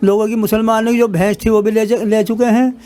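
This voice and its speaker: A man's voice: sits high, little pitch movement, brisk, dark tone. A man, interviewed in the street, giving an urgent, rambling account. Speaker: riot victim interviewee.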